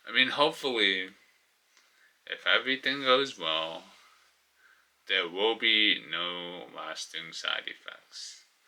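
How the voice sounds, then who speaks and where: Speaking at a very slow pace with long, frequent pauses, a man with a fairly low voice makes big swings in loudness. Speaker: video diarist with cancer. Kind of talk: casual vlog. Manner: slightly slurred speech; halting, searching for words.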